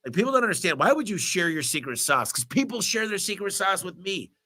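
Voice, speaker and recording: A man hosting a live business Q&A, talking in an energetic, motivational, rambling way while congested with a cold. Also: sits high, fast. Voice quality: stuffy, nasal. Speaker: host of a business Q&A livestream. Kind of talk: live Q&A answering viewer questions.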